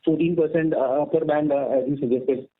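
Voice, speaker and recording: A man's voice: fairly high pitch, steady tone, fairly quick. Guy calling in on a bad line, sounds far off and keeps cutting out, lots of uhs. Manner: hesitant, many filler sounds. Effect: faint, distant phone line, call cutting out. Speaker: analyst caller on an earnings call. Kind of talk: earnings conference call question. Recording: tinny, distant phone line.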